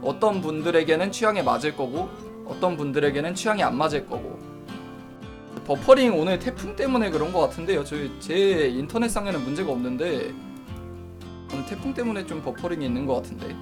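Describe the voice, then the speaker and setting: Over background music, a man with a fairly high, animated voice talks quickly on a live stream about reviewing novels. He frequently corrects himself and answers viewers' chat messages, noting that he doesn't use a dialect.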